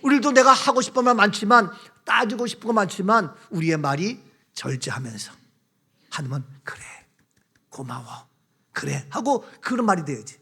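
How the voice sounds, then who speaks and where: A man's voice: high voice, lively intonation, brisk, pushed and bright, slightly rough. A man preaching a sermon as pastor, emphatic, repeating key phrases and asking the congregation questions. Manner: acts out everyday quarrels in short quoted remarks.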